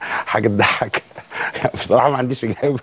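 Here a man is talking. His intonation is fairly even. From Egypt. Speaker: football club board member; guest. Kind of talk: TV interview. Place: studio. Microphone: lapel.

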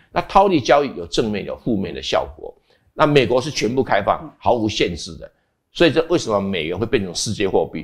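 A male voice over a quiet background. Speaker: political commentator; guest commentator. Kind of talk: talk show panel discussion. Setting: studio. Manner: animated. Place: studio. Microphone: lapel.

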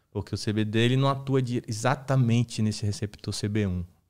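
The speech has ordinary pitch variation at a moderate pace against a quiet background. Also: man. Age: young. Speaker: neurologist; guest. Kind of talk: casual interview; interview answer. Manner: halting. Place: studio. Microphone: studio mic.

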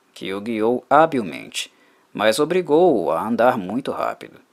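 A man speaks in a solemn, dramatic tone at a fairly slow pace. His pitch swings very widely. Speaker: channel host reading a literary horror tale. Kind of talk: audiobook-style reading aloud of a Japanese ghost story. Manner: measured, solemn storyteller's pace, dramatic and eerie.

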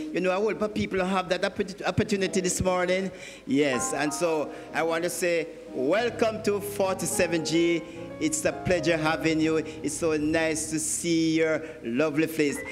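With clear music in the background, a man with a high pitch speaks at a fairly slow pace with ordinary pitch variation. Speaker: church host giving welcome. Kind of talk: church welcome address. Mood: warm, cheerful. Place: church.

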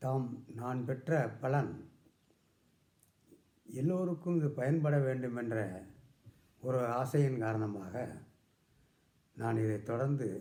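Medium in pitch, a man's voice carries a dark, mellow tone and ordinary pitch variation. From Madurai, Tamil Nadu. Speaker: retired teacher, yoga instructor. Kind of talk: yoga instruction talk.

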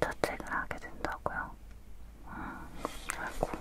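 A woman is speaking. She whispers. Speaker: ASMR creator. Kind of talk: soft-spoken comforting talk to viewer. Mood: warm, consoling. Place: home room.

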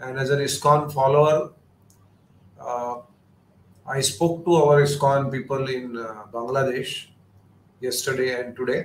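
Somewhat breathy, monotone, flat delivery at a fairly slow pace with long, frequent pauses. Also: man, medium pitch for a man. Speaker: hospital head. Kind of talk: panel discussion. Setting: video call.

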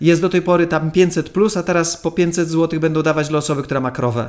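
This is a man with an unremarkable speaking voice. His pitch is fairly high, and his pace is fairly quick. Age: 40s. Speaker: raw vegan diet educator. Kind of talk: interview.

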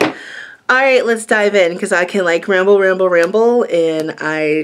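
A woman's voice with lively intonation at a moderate pace, over light background noise. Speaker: beauty vlogger. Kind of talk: casual vlog chat. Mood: cheerful, giggly. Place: home room. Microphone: phone near.

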